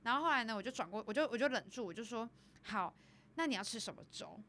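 A bright, quick-talking young woman tells a story in a casual chat, her pitch jumping around as she acts out the people in it. Her voice sits a little high, and a faint hiss runs under it. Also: expressive. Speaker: podcast co-host.

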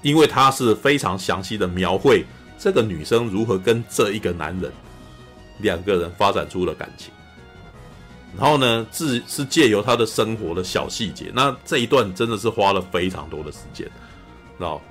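A man from Taiwan, co-hosting a podcast and chatting casually about a film, animated, acting out scenes and often saying "you know". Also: lowish voice, moderate pace, soft background music. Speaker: podcast co-host. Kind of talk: casual film review chat.

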